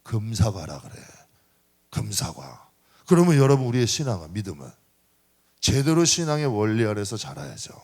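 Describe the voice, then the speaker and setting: In a church sanctuary, a middle-aged pastor delivers his sermon lively and conversationally, often throwing rhetorical questions to the congregation. His voice is lowish, at a moderate pace.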